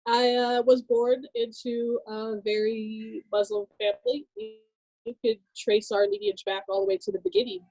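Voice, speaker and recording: A woman in her thirties from Southern California tells her life story as a podcast guest in relaxed, casual chat. She laughs easily and uses many fillers, with a fairly high pitch and a slightly slow pace. The sound quality is lo-fi.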